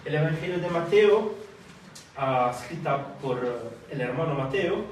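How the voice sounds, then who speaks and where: A man born in Italy leads a prayer and a sermon, halting often with fillers and restarts. His voice sits somewhat high. He is heard from a distance in a very echoey hall. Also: lively intonation, slight background noise. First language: Italian or Filipino language. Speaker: preacher. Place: church hall.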